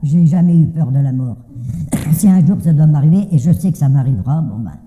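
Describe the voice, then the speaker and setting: A man's voice: a little high, lively intonation, brisk, warm tone. An older man giving a casual personal testimony in a colloquial, plain-spoken way, often repeating words hesitantly. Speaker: interviewee giving an anonymous testimony. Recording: very muffled, reverberant hall-like sound.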